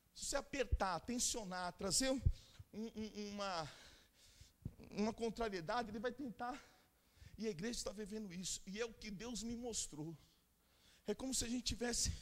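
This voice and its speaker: A high-pitched man with a Brazilian Portuguese accent from the São Paulo interior preaches a Pentecostal sermon at a church conference. He swings from conversational asides to shouted, fervent exhortation and speaks in tongues amid the preaching.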